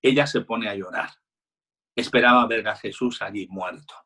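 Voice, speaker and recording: Husky-voiced male pastor preaching. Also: on the low side, moderate pace, sharp tone. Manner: earnest preaching, retelling Bible scenes with quoted dialogue. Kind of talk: sermon.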